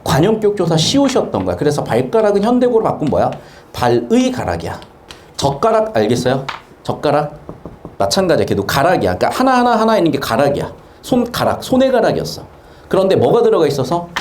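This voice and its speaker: A male grammar teacher lectures with a high, lively voice that swings widely in pitch. He drills key points by repeating them and keeps checking whether his students understand. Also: a little hiss or hum. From South Korea, Changwon.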